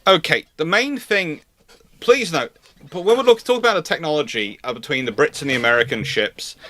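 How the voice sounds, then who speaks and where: Bright, close-miked man explaining history live. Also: medium pitch, dry recording. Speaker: host answering viewer questions. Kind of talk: live question-and-answer history talk.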